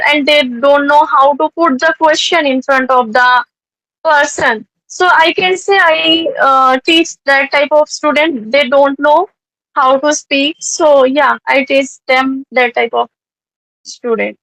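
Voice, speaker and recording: Slow high-voiced Indian woman. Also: steady tone, a bit bright, no room sound, poor audio. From North India. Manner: hesitant, frequent uh fillers. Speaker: tutor practicing English conversation. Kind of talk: casual conversation practice.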